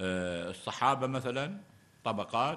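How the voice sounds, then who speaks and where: Speaking at a very slow pace, a man is heard. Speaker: lecturer on manuscript editing. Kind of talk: lecture. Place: hall. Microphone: podium.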